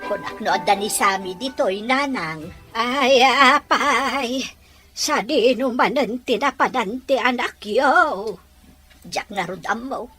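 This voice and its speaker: A woman acting as a weary, resentful mother in an amateur audio drama, with drawn-out delivery. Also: a little high, pushed and bright, faint music behind. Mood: worried, complaining.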